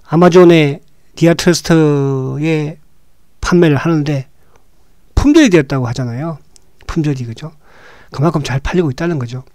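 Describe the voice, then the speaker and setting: Hoarse man giving stock commentary. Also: a little high, darkish tone, no room sound, clean studio sound. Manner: talks with frequent "right?" tag questions, halting restarts. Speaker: stock market show host. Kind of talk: casual market commentary.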